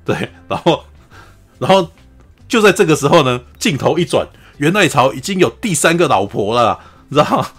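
A man, hosting a podcast. He retells a drama in a chatty, laughing way, keeps asking "you know?", and acts out the quotes in a higher voice. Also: sing-song, moderate pace, a bit bright, breathy edge, faint music behind. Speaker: podcast host. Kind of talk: casual storytelling recap of a TV drama.

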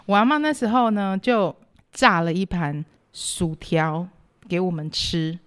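A woman's voice: lowish voice, measured pace, smooth, no echo. Playful, emphatic Taiwanese-accented woman, close dry sound. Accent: Taiwanese Mandarin. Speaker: podcast co-host. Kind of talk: casual banter and storytelling.

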